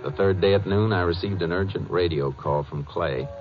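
Man acting a low-voiced, terse Texas Ranger. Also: normal speed, music in the background, lightly acted. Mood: matter-of-fact narrating. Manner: terse, laconic, matter-of-fact. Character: calm, shrewd Texas Ranger investigator, male. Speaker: actor in lead role and narrator. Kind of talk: 1950s western radio drama acting. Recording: muffled, noisy 1950 radio recording.

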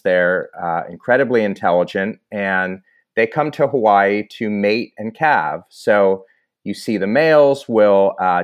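A man from New England, a guest on a podcast, talking in a measured, easygoing way with many "you knows". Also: lowish voice, lo-fi sound. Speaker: environmental director, guest. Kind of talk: casual podcast interview.

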